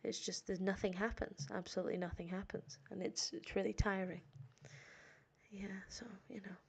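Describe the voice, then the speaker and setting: A woman from the north of England with a nasal voice and a northern English accent, sounding tired and a little hoarse, chatting casually and rambling with lots of fillers on a live stream for her English learners. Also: medium pitch, fairly even intonation, normal speed. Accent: northern English, Sheffield. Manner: rambling, self-deprecating, frequent fillers. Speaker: English teacher.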